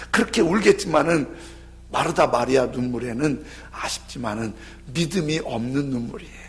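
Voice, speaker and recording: Male pastor, gravelly, fairly high voice, animated sermon storytelling. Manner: animated storytelling, acts out voices of biblical figures. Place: church.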